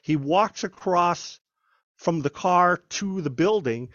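A man, a former federal agent, telling stories in a conversational interview, animated and often repeating and restarting his words. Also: sits high, slow, no room sound, lo-fi sound. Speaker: guest, former FBI agent. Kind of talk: conversational storytelling.

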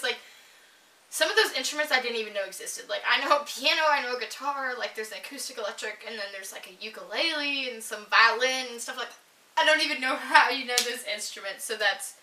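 A woman's voice: a little high, sharp tone. A woman hosting a casual chat, talking chattily with lots of fillers. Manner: chatty, many fillers, giggly. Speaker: host. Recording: roomy, distant mic.

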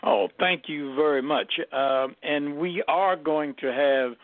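Casting: older male moderator, unhurried and halting, slightly high pitch, informal delivery. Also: dry recording, phone-quality sound. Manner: hesitant, repeats and reworks phrases. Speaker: host, moderator.

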